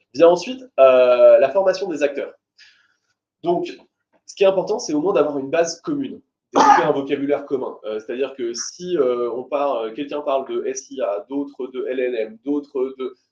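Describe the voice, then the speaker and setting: A man talks with a fairly high pitch and ordinary pitch variation. His loudness swings widely. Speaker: training consultant presenting research. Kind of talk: webinar presentation. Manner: fast; hesitant, many fillers.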